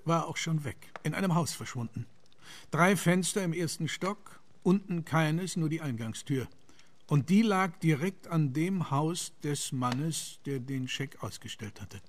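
An actor playing an earnest, sober gentleman telling a story in a measured, serious way in a radio drama. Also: fairly high pitch. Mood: grave. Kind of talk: German radio play acting.

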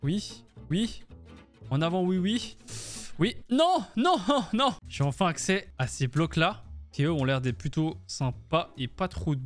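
A young man doing excitable, slangy commentary on a parkour game, swinging from yelps to mutters as he talks to his viewers. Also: a little high, unhurried, soft background music. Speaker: gaming youtuber. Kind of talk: Minecraft parkour let's-play commentary.

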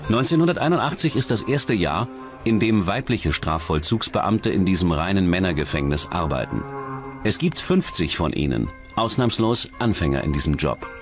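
A man's voice: sits low, sing-song, moderate pace, music in the background. A man reading scripted narration for a true-crime documentary.

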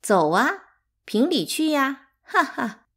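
A woman's voice: sits high, big pitch swings, slow pace, voice pushed up, heavily acted. A woman doing a smug teenage servant girl. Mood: mocking. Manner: taunting, scornful.

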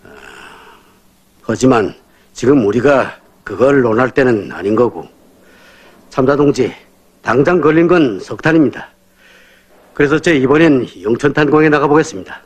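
A man's voice: medium pitch, lively intonation, normal speed, pauses often, husky. A man playing a stubborn middle-aged North Korean factory manager, arguing in an official manner. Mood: insistent. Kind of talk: film drama acting.

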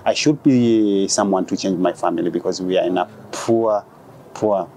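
A young man from Kenya, a guest in an interview, speaking haltingly with many restarts, on a lapel mic in an outdoor dome. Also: deep voice, warm tone, poor audio. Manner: halting, with frequent restarts and fillers. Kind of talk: conversational interview. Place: outdoor glass dome on a city square.

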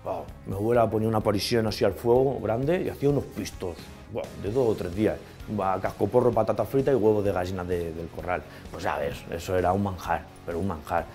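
A man's voice: lowish voice, a little fast, warm tone, faint music behind. A chef in his thirties talking enthusiastically in an interview, on a lapel mic. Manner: enthusiastic, nostalgic. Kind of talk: interview talk.

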